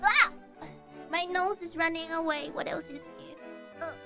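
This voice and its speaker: A streamer with a very high, bright and forceful female voice chats unhurriedly on a casual live stream over faint background music. Giggly and talkative, she checks her audio settings aloud through a heavily compressed, reverb-treated mic.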